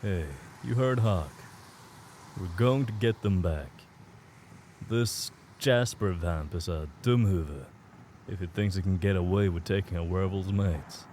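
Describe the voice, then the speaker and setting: Protective Swedish-accented werewolf male actor, easygoing and low-pitched, audio drama with faint ambience. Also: unhurried, a little mellow, a little hiss or hum. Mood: amiable. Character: protective, good-natured Swedish alpha werewolf's mate. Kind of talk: scripted audio drama acting.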